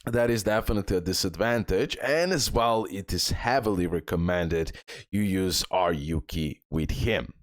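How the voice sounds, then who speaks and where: A man with a low voice presents a gaming guide in a close, dry recording. He reads ability text aloud and breaks it down informally, speaking straight to his viewers and repeating key points for emphasis. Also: normal speed, no echo. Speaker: gaming content creator and host. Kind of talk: game guide commentary, reading skill descriptions and giving tips.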